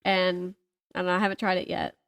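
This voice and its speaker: A woman's voice: lowish voice, monotone, quick pace, creaky, fairly bright tone, dry recording. A young woman chatting casually as a podcast co-host. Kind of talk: casual chat.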